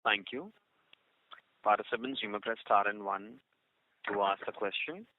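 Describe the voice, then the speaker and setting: Low-voiced conference operator. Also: male voice, moderate pace, no echo. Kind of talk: formal call moderation. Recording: dry narrow-band phone line.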